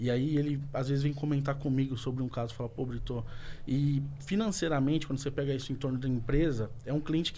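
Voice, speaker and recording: With audible room echo, a man speaks at a fairly quick pace in a somewhat breathy, fairly high voice with ordinary pitch variation. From São Paulo (Itaquera), Brazil. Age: 30s. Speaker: investment firm founder. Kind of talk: casual chat.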